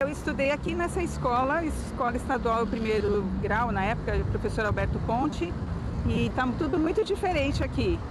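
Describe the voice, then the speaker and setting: A woman speaks at a moderate pace with very even loudness. Noticeable background noise and audible room echo fill the recording. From São Paulo city, Santo Amaro. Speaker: former São Paulo resident. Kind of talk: documentary testimony.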